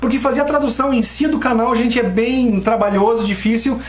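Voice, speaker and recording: Extremely high in pitch, this man talks at a moderate pace. Audible room echo and noticeable background noise surround his voice. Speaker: ufology channel host. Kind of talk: solo video monologue.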